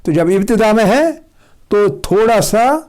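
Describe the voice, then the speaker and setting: A man's voice: high voice, expressive, a little mellow. A man teaching Quran pronunciation, patiently repeating example words and drilling his students.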